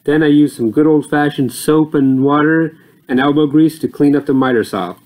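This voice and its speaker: A man's voice: on the high side, moderate pace, darkish tone, low-quality recording. A man explaining a motor repair over his footage in a plain, explanatory way, with occasional fillers. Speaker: repair channel host.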